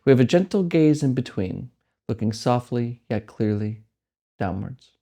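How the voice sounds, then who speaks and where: Mellow man guiding a meditation. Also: medium pitch, animated. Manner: gentle, unhurried phrasing with deliberate pauses. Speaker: meditation guide and host. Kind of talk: guided meditation instruction.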